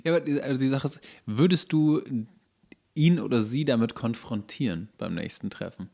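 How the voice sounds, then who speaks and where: A male co-host speaks at an average pitch in relaxed podcast conversation. His delivery is halting, and he often repeats the start of a sentence before going on. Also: vocal fry. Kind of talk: casual chat.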